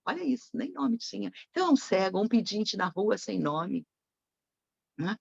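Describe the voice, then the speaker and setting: A woman's voice: medium pitch, sing-song, moderate pace, creaky, a little mellow, husky, dry recording. A woman giving a reflective spiritist sermon, often tagging her phrases with a questioning "né". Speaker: spiritist lecturer. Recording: dull lo-fi dry recording.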